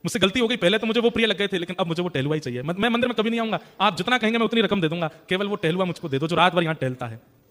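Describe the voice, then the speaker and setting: A man's voice: high voice, expressive, rapid-fire, a bit bright. A man voicing a stubborn, lovesick Muslim devotee who talks in an agitated, pleading way.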